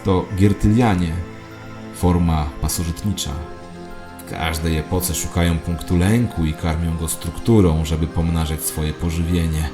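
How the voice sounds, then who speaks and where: A man's voice: sits low, fairly even intonation, measured pace, over music. A man voicing a knowing hologram phone clerk who reveals a cosmic conspiracy in a cryptic, authoritative audio drama monologue. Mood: ominous, knowing.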